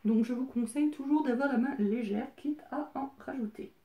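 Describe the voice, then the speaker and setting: Female beauty vlogger, higher-pitched, talks through a makeup look in a hesitant, chatty way; roomy echo on the recording. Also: muffled recording. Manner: chatty and hesitant, many filler pauses. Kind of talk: casual makeup tutorial.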